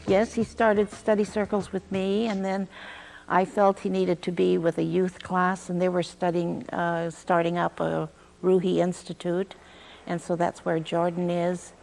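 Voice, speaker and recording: A woman's voice: lowish voice, little pitch movement, a little slow, creaky, a little mellow. A woman being interviewed, giving a personal account.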